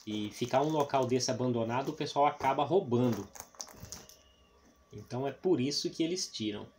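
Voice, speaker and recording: A man's voice: mid-range voice, moderate pace, darkish tone. Man vlogging through ruins, noisy recording. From Paraná, Brazil. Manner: chatty, addresses viewers, frequent tag questions. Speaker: vlog host. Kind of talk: casual exploration vlog narration. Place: abandoned roofless house and overgrown grounds. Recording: noisy handheld outdoor camera recording.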